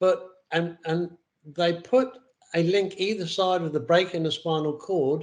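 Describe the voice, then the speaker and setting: The speaker has an Australian accent. The delivery is fairly slow. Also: man. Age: 70s. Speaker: forum participant with spinal cord injury. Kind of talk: online Q&A question. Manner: halting, many fillers.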